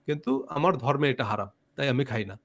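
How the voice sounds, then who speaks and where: A man's voice: medium pitch, brisk. A man hosting a casual debate, laying out his position step by step. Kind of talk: casual debate on a live stream.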